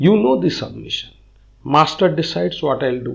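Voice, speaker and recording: Speaking with a Bengali accent, a man uses a medium pitch, a moderate pace and vocal fry. Room echo is audible. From India (Bengal). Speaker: lecturer and author. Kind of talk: lecture. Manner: halting, with repetitions.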